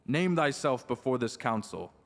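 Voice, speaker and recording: A man's voice: medium pitch, sing-song, normal speed. Man acting a solemn medieval king in a reverberant hall. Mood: proclaiming. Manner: formal archaic speech, solemn and authoritative. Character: stern, commanding medieval king, protective father. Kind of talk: fantasy audio roleplay acting.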